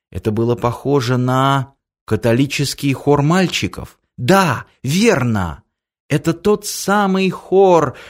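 A man reading a first-person story aloud in a measured way, with long pauses. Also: medium pitch. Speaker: audiobook narrator.

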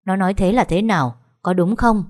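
A woman voicing a stern older master of the house in an audio story, gruff and scolding. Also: sits low, very animated, fairly quick.

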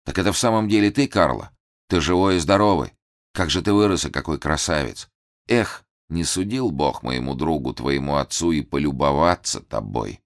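A man's voice: a bass voice, animated, normal speed. A man voicing an old male doctor who is frightened, shaky and given to agitated outbursts. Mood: tearful joy. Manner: shaky, pleading, fearful outbursts.

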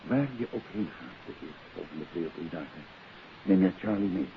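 An actor playing a self-assured detective and devoted husband in a 1950s Dutch radio drama, speaking deliberately and with authority. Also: male voice, sits low, animated, creaky. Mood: grave, confiding. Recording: hissy, muffled old radio recording.

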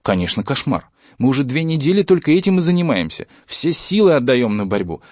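A man's voice: medium pitch, very animated, fairly quick, a little mellow, dry recording, dull audio, pitched above the performer's own voice. A man reading a story, voicing a dogmatic schoolboy who lectures his father. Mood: lecturing. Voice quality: preachy, self-assured lecturing tone.

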